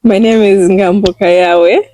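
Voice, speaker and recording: A young woman from Zambia answers questions at a slow, measured pace. She pauses to think and laughs softly. The recording is dry and close. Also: medium pitch, fairly even intonation, no echo, rough recording. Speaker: interviewee. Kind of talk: casual interview.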